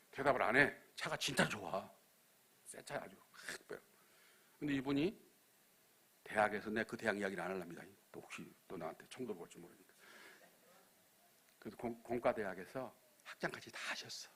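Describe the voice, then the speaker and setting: A man with a Jeolla accent preaching a sermon as a missionary, telling stories with sudden loud emphasis and near-whispers. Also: medium pitch, breathy edge. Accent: Jeolla dialect.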